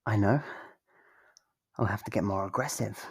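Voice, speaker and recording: An actor playing a devoted, nervous, lovestruck cultist in an ASMR audio roleplay, speaking in a soft, breathy voice with earnest, hesitant, theatrical delivery. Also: deep voice, moderate pace, no room sound, clean studio sound, exaggerated voice. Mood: earnest, scheming.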